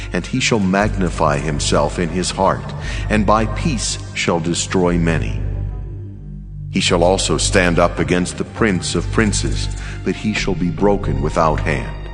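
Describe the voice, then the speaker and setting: Casting: grave prophetic angel for scripture audio drama, very low voice, authoritative and measured, long reverb. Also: male voice. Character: solemn male angel interpreting a prophetic vision. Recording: long cavernous reverb with music underneath.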